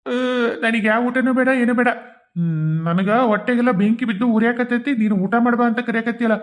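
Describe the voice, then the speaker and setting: A man plays a hanged male ghost in a cartoon, wailing and complaining in a high-pitched voice with a North Karnataka Kannada accent. He sounds like a heartbroken husband lamenting his fate. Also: fast. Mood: grieving. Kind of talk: cartoon voice acting.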